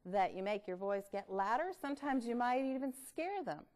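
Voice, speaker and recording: A woman presenting read-aloud tips in an expressive, instructional way, with deliberate emphasis. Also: a little high. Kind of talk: instructional talk with storybook reading.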